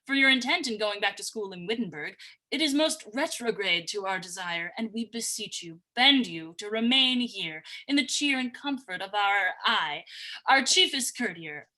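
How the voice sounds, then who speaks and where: A woman playing a smooth-tongued, reproving middle-aged king in a livestreamed Shakespeare reading, with formal, stately verse delivery. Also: mid-range voice, animated, moderate pace, pushed and bright, poor audio. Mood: grand, persuasive. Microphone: remote livestream from own location.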